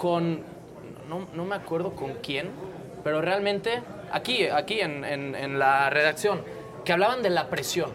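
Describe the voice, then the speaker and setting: A man's high voice at a fairly slow pace with ordinary pitch variation, noticeable background noise and audible room echo. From Catalonia, Spain. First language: Catalan (speaking Spanish). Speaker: ex-footballer and football commentator. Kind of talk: casual chat.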